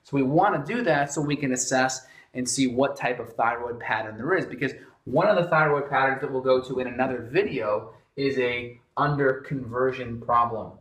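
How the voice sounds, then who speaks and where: A man's voice: mid-range voice, moderate pace, fairly bright tone, roomy sound. A man, a functional medicine doctor, explaining thyroid lab tests at a whiteboard and often starting with "so again". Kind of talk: whiteboard health lesson.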